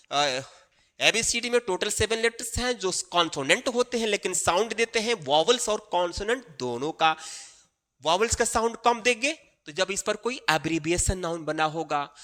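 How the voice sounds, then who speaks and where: Man, grammar lesson, very bright tone, long reverb. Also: high voice. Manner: emphatic, repeats examples and asks rhetorical checks. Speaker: English grammar teacher. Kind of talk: classroom-style grammar lesson.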